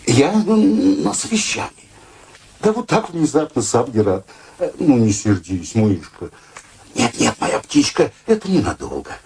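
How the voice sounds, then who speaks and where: An actor playing an excitable middle-aged man in a radio play, an evasive womanizer who wheedles and stammers when cornered. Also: mid-range voice, measured pace, vocal fry, noisy background. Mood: cooing.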